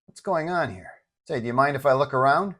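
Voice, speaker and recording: A man's voice: mid-range voice, expressive, a little fast, a bit bright. A man voicing a breezy, earnest male superhero in an audio story, talking in a casual, upbeat way. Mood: puzzled.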